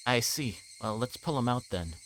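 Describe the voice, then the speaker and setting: A man's voice: medium pitch, animated, moderate pace, fairly bright tone, slight background noise, natural voice, low-quality recording. A man reading the part of a casual, slightly awkward teenage boy in a visual novel, in a plain, offhand way. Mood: sheepish.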